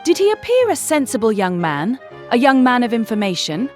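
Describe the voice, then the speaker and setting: An actress playing a self-assured young gentlewoman in a period audiobook, speaking politely and formally. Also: on the high side, huge pitch swings, a little fast, soft background music. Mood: politely probing. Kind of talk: period novel audiobook acting.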